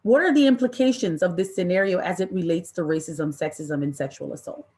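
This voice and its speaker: A woman presenting an interactive online training session in an impassioned, deliberate way, with emphatic repetition and rhetorical questions. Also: fairly low pitch, darkish tone. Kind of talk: impassioned interactive workshop talk to an online audience.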